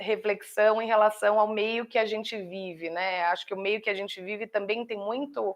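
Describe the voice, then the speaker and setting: A woman's voice sits fairly high in pitch. She moves at a moderate pace. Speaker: spiritist lecture speaker. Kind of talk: lecture. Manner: halting.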